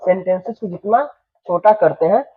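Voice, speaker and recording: A man's voice: sits high, breathy edge. A young man with a Bhojpuri-tinged Hindi accent, from eastern Uttar Pradesh, teaching an English class, often repeating himself and checking that his students follow. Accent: Bhojpuri-influenced Hindi. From eastern Uttar Pradesh, India. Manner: repeats phrases, checks students understand, slows down for English sentences. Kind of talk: classroom lesson. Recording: tinny phone-like recording.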